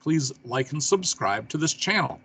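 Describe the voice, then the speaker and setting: Middle-aged male talk-show host, husky, easygoing. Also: on the high side, expressive, moderate pace, pushed and bright. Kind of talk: hosting an online talk show.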